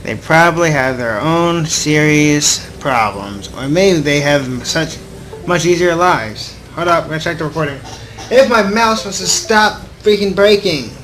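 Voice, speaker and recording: Male let's player, fairly high voice, slow delivery, stumbles when reading aloud, playful, music behind him. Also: animated, fairly bright tone, poor audio. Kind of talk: gaming commentary with visual novel read aloud.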